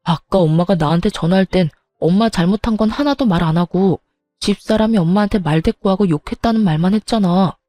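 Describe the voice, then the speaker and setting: A woman's voice: medium pitch, fairly quick, mellow, no room sound, faint music behind, natural voice. A woman voicing an angry husband who confronts his mother with reproachful questions. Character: husband, angry middle-aged man.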